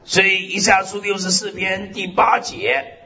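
A man preaching a sermon in an animated way, drawing out key phrases and punctuating them with amens and hallelujahs. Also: normal speed. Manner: swings pitch widely, drawls key phrases. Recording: slightly dull recording with faint hiss.

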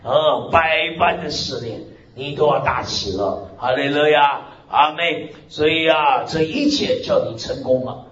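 A man's voice: on the high side, unhurried, a bit bright, a little hiss or hum. A man preaching a sermon as pastor, emphatic, with frequent hallelujahs and amens. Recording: echoey hall, dull lo-fi sound.

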